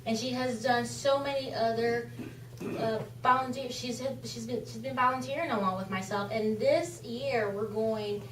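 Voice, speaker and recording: A woman's voice: fairly high pitch, steady tone, moderate pace, fairly bright tone, slight background noise. Earnest woman speaking in an echoey hall. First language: Spanish. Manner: earnest, impassioned, repeats phrases. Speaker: charity speaker. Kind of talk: club presentation speech. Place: meeting room. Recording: echoey room from far off.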